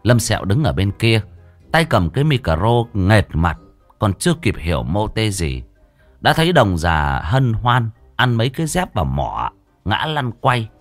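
A man telling a comic story in lively, colloquial narration. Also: fairly low pitch, unhurried, no room sound. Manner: lively colloquial narration with loud put-on voices. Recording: faint music behind.

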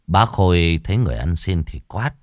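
A man reading a ghost story aloud in a steady storytelling manner. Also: sits low, a little fast, no room sound, clean studio sound. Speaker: narrator.

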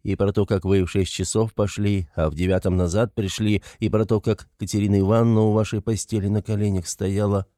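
A man's voice: on the low side, flat delivery, fairly quick, few pauses, warm tone, no room sound, clean studio sound, lightly acted. A man reading an audiobook, voicing a gloomy, brooding young man who speaks in an abrupt, sullen way.

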